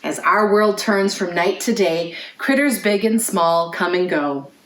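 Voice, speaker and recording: A woman hosting a children's storytime, reading aloud in clear phrases and putting questions to young listeners. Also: medium pitch, unhurried, fairly bright tone, slight background noise. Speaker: children's librarian, storytime host. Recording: roomy, echoey indoor sound.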